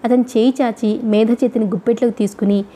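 A woman narrating a novel as an audiobook reader, in a steady, even storytelling manner. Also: a little high, fast talker.

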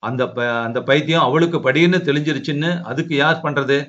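A man voicing an angry, orthodox middle-aged son who shouts harsh, clipped words at his mother, on a dull lo-fi recording. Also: a little high, brisk, natural voice. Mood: furious.

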